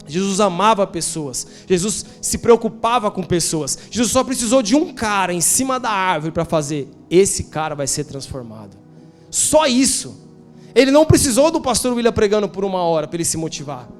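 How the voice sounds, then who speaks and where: Brazilian pastor in his forties, high tenor, chatty storyteller in the pulpit, faint music behind. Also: very animated, moderate pace. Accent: Brazilian Portuguese. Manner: conversational storytelling with rhetorical questions, slangy asides. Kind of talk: sermon. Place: church.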